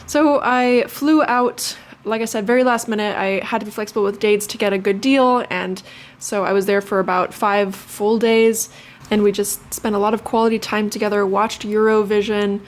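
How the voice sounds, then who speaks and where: Chatty young woman vlogging, halting. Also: medium pitch, steady tone. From Lithuania. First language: Lithuanian. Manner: chatty, halting with many fillers and restarts. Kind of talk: casual talk to camera.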